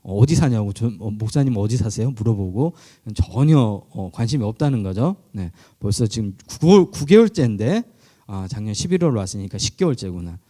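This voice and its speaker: Delivering a sermon at an online church youth service, a Korean pastor from South Korea speaks a little fast in a fairly low, dark voice with lively intonation. He addresses the youth group conversationally, weaving in stories and putting questions to them.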